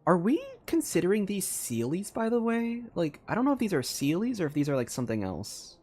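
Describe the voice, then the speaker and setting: An excitable, expressive streamer giving casual live reaction commentary on a game. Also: mid-range voice, fairly quick, husky.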